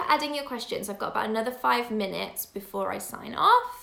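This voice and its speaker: A woman is heard over noticeable background noise. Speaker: money mindset coach. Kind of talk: live stream teaching. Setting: live video stream. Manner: animated.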